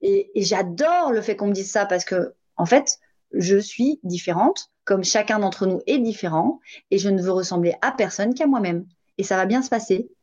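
A woman speaks at a moderate pace in a plain, everyday voice, her pitch medium and her intonation lively. The background is quiet. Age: 40s. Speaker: language school director and former hypnotherapist. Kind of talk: casual interview chat. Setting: podcast recording.

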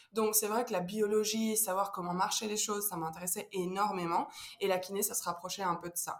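A woman talks at a fairly quick pace. Her pitch sits in the medium range, with fairly even intonation. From Spain, Valencia region. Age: 30s. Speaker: physiotherapist. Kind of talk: casual interview.

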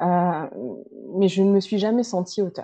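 Talking at a fairly slow pace, a woman uses a fairly low pitch. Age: 30s. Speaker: aspiring novelist and literature teacher. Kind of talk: interview. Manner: halting.

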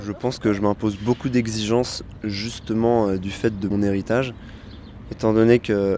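Speaking at a moderate pace, a man keeps his fairly low voice flat and monotone. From France, Paris. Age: 20s. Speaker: interpreter. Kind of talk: testimony.

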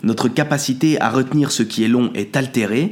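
A man's medium-pitched, plain, everyday voice. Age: 20s. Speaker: public speaking trainer. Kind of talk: scripted monologue. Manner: measured with deliberate pauses.

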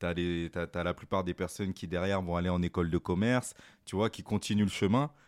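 A man with a very deep, low pitch at a fairly quick pace, dry and close with no echo, in a very clean recording with a silent background. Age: 30s. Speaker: finance coach and comedian. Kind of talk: interview.

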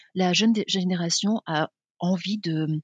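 Fairly even intonation in a woman's somewhat breathy delivery. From provincial France. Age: 40s. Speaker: magazine editor-in-chief. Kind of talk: interview conversation.

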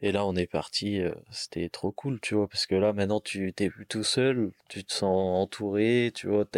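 A man's fairly low voice at a fairly slow pace, with fairly even intonation, dry and close with no echo, on a very clean recording with a silent background. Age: 30s. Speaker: motorcycle customizer and painter. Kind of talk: casual interview. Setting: guest's workshop. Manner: casual, hesitant.

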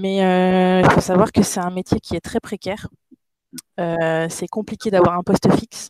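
A woman's dark, mellow tone, monotone and flat, at a fairly slow pace in a dry, close sound with no echo. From western France (Maine-et-Loire). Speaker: web developer, former archaeologist. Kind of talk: interview, casual. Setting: office.

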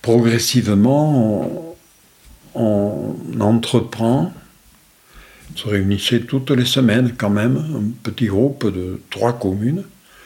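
A man at medium pitch with lively intonation, very slow pace and long, frequent pauses, noticeable background noise behind him. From Aubrac plateau, Aveyron, southern France. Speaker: livestock farmer and retired regional politician. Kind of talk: interview. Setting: at his home. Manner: halting with repetitions.

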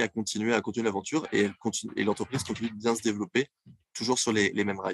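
A man with a fairly low pitch talks very fast in a flat monotone. The sound is dry and close, without echo. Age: 30s. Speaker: social entrepreneur. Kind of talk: interview.

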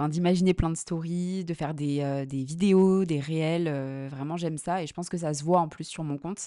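A woman talks at a fairly slow pace in a very deep, low pitch with a dark, mellow tone. Her intonation is monotone and flat, and the background is quiet. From Aix-en-Provence, southern France. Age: 30s. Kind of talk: casual interview.

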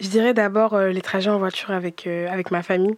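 A woman speaks at medium pitch in a monotone, flat delivery. The sound is dry and close, with no echo. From grew up moving between Switzerland, Greece, Réunion and western France. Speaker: singer and rapper. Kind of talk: casual interview. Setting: studio.

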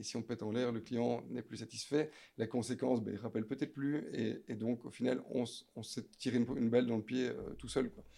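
With vocal fry and a dark, mellow tone, a man talks fairly quickly at a medium pitch and with fairly even intonation. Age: 30s. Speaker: photographer, former salesman. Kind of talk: interview. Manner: halting.

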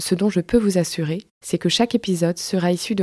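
A dark, mellow voice at a moderate pace keeps fairly even intonation, with a dry, close sound and no echo. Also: woman. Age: 30s. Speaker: podcast host and artisan business founder. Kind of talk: scripted narration.

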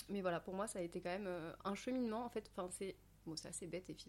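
At a medium pitch and with fairly even intonation, a woman speaks in an ordinary speaking voice. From Haute-Savoie, France. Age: 20s. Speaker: lawyer. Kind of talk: casual chat.

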